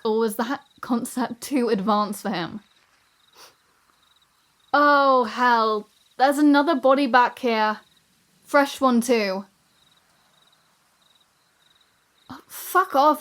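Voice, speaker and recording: A woman's voice: medium pitch, natural voice. A woman playing a flirty, sardonic vampire in a scripted ASMR roleplay audio drama, with breezy, sarcastic banter. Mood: sardonic, businesslike, then irritated, defensive.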